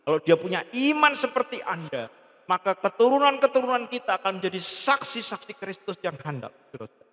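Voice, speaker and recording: A man with a high voice preaching to a congregation, his words ringing through a long church reverb. He tells his story with lively energy and acts out every line of dialogue. His delivery is that of a seasoned pastor. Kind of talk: sermon with storytelling. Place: large church hall.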